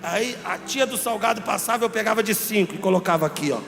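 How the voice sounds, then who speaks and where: A man, a pastor telling a humorous story in a sermon, lively and acting out voices. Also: high voice, quick pace, creaky. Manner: lively comic storyteller who acts out voices. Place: church. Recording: reverberant church hall, faint room noise.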